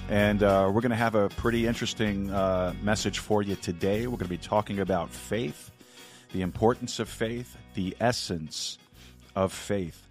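A man hosting a live Bible podcast, talking in a folksy, rambling way with a slightly scratchy, hoarse voice. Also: on the low side, steady tone, normal speed, faint music behind. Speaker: podcast host and Bible teacher. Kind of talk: casual live podcast talk.

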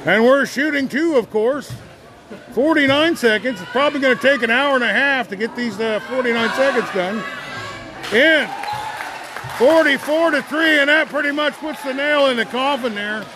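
A man's voice: very high-pitched, normal speed, music in the background. A man doing live play-by-play basketball commentary in a folksy, wisecracking manner. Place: indoor school gymnasium during a game. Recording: noisy gym with loud crowd. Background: crowd noise, bouncing ball.

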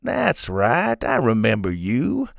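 A man reading a storybook, voicing an excited bearded fortune teller who draws his words out slowly. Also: mid-range voice, gravelly, no echo, clean studio sound, heavily acted. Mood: wondering. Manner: slow, drawn-out, giddy.

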